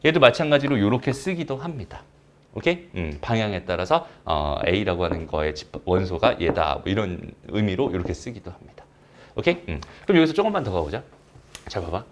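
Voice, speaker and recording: A man's voice: lowish voice, big pitch swings, brisk, background noise. A man teaching math in a recorded lecture, chatting casually and asking questions that he answers himself.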